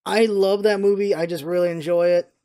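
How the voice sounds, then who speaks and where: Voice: medium pitch, fairly even intonation, brisk, dark tone. A vlog host giving casual, opinionated movie commentary in an emphatic, exasperated, ranting manner.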